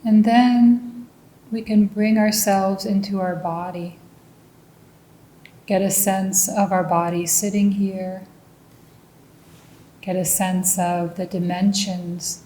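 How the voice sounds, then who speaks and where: A woman leading a guided mindfulness meditation, speaking calmly and gently. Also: medium pitch, echoey room. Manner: slow, calm and gentle instruction.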